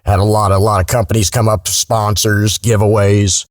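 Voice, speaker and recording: A man's voice: fairly low pitch, level tone, normal speed, dry recording, studio quality. An American man talking casually as an interview guest, with a blunt, salty, informal way of speaking. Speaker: guest, video game voice actor.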